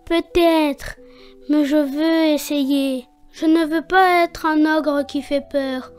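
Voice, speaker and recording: A performer voicing a gentle, eager young boy ogre in a children's cartoon, polite and earnest. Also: high voice, fairly even intonation, slow pace, soft background music. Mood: determined.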